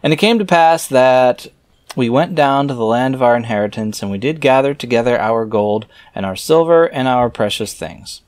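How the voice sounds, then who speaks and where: A man's voice: mid-range voice, expressive, moderate pace, no room sound. A man reading scripture aloud and breaking off for offhand, wry, skeptical comments, sometimes muttering as he thinks aloud. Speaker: reader and commentator.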